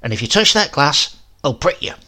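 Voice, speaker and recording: A man doing a shrill, scolding old grandmother. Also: big pitch swings, moderate pace, sharp tone, heavily acted. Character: tart, bossy old grandmother, sharp-tongued.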